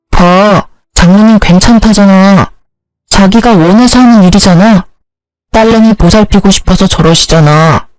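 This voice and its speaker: A woman's voice: mid-range voice, a little mellow, dry recording, lightly acted, poor audio. A woman voicing a self-centered young husband who talks in curt, demanding scolds. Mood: scornful.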